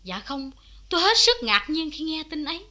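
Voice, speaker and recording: Sincere young friend, lively pitch, bright voice, composed. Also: female voice, moderate pace, exaggerated voice. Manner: earnest, composed testimony.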